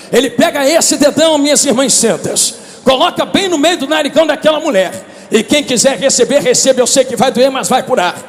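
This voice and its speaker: A Brazilian man preaches with fervor, his voice pitched unusually high and rising to shouts. He speaks as a pastor at a large conference. The sound rings out with the long reverb of a big convention hall. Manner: impassioned preaching, often shouting. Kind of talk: conference sermon.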